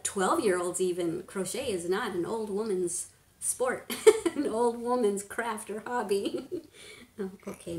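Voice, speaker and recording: Chatty woman in her fifties on a live stream. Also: mid-range voice. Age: 50s. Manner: chatty, rambling, laughs often, drops to a hush at times. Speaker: beauty vlogger, live stream host. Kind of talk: casual live-stream chat reading comments. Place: living room at home, indoors. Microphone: webcam at desk distance. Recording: echoey room.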